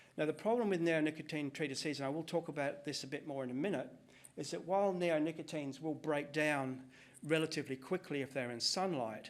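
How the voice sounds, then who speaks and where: A man with an Australian accent talks at a very fast pace. His pitch is fairly high, with ordinary pitch variation. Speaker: entomologist giving a conference talk. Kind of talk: conference presentation.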